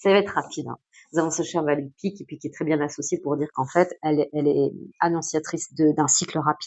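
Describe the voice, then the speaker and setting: Fairly quick speech from a woman with a very deep, low pitch. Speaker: tarot card reader. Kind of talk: tarot reading. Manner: fast; animated.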